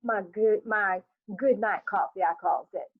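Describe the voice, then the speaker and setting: A woman voicing a squeaky, effusive neighbor woman who gossips in a folksy dialect and plays up every bit of news with melodrama. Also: a little slow, no echo. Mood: gushing. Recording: dry, tinny phone-like sound.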